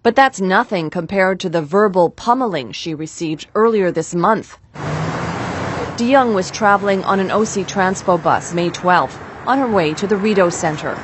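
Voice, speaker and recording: A woman reporting a TV news story with an even, polished delivery. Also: medium pitch, normal speed, background noise.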